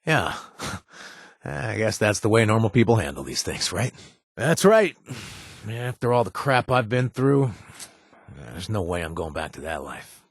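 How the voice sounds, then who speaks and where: An actor playing a gruff but awkward, loyal wasteland bartender in a video game, with a husky voice and a halting, casual delivery. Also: male voice, on the low side, big pitch swings, no room sound, studio quality, full character voice. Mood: angry, determined. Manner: halting, stammering, casual and self-deprecating. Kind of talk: naturalistic video game dialogue.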